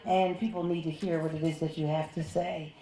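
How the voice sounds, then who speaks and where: Low-pitched woman emceeing in an echoey hall. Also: flat delivery, a little fast, mellow, a little hiss or hum. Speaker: ceremony host. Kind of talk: emcee remarks at an awards ceremony. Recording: echoey hall with faint crowd.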